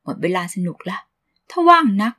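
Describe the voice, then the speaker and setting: A woman's voice: normal speed, bright, forceful tone, natural voice. A woman voicing a blunt, tough-talking single woman in her mid-forties who scolds a younger man. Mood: gruff. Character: blunt 45-year-old single woman shopkeeper.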